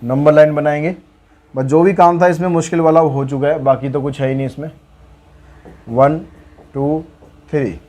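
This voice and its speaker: A man's voice: fairly high pitch, fairly even intonation, moderate pace, pauses often, a little mellow. A male math teacher giving a casual blackboard lesson, teasing his students and stepping through the working one step at a time.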